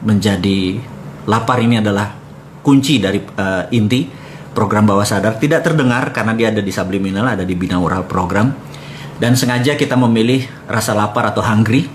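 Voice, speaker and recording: Low-voiced man hosting a live talk. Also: slight background noise. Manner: mixes English phrases into speech, animated when quoting. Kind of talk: casual live talk and storytelling.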